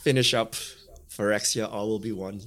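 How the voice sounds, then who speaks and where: Male podcast regular, lowish voice, a bit under the weather, matter-of-fact. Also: steady tone, normal speed, fairly bright tone. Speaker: podcast regular, site owner. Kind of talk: casual podcast chat.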